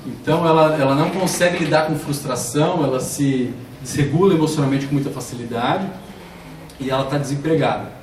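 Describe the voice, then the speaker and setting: A man's voice: on the high side, a little fast, recorded from a distance. A man teaching as a psychiatrist lecturer, explaining with acted-out everyday examples. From Brazil. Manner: explanatory, acts out quoted dialogue with examples. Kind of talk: classroom lecture. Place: lecture hall. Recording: echoey room, speaker away from mic, faint noise.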